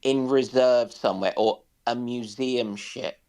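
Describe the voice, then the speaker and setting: A man in casual discussion on a naval history stream, speaking haltingly with dry humour. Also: medium pitch, darkish tone. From United Kingdom.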